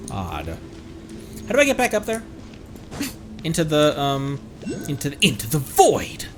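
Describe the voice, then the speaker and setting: A man's voice: a little high, huge pitch swings, measured pace, background noise. A man giving casual live game commentary as a streamer, thinking aloud in stammering bursts. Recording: game music behind the voice. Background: video game music.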